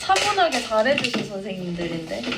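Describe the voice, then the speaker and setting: A woman speaks fairly quickly amid noticeable background noise, with audible echo from the room. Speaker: ward nurse. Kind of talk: on-the-job interview and patient talk. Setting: hospital ward.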